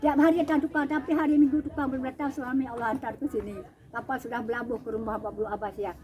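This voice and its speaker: An older woman telling what she saw as an eyewitness, animated and acting out the cries and calls of others. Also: high-pitched, fast talker, background noise. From Aceh, Indonesia. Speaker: tsunami eyewitness speaking to visitors. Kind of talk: emotional eyewitness storytelling. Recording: crowd of listeners around. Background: crowd.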